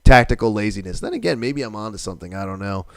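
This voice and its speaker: A man's voice: fairly low pitch, expressive, fast talker, dry recording, studio quality. A man in his thirties from New England, hosting a live stream in casual, rambling chat, swearing now and then and reading viewer comments aloud.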